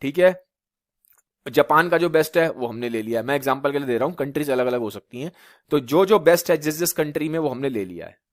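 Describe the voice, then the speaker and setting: With an expressive, slightly high voice and a fairly quick pace, a teacher from Uttar Pradesh, India, delivers a classroom lecture in Hindi mixed with English. He asks rhetorical questions again and again and checks on his students with frequent "theek hai" as he explains. The sound is dry and close, with no room echo.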